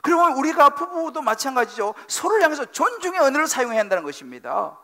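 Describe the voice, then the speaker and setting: A middle-aged man preaching from a church pulpit, his voice pitched very high and swinging widely as he drives points home. The tone is bright and edged with gravelly fry, and he keeps repeating phrases and firing questions at the congregation. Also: fast talker. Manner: animated preaching, emphatic repetition, questions to the congregation. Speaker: senior pastor. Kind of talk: sermon. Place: church sanctuary.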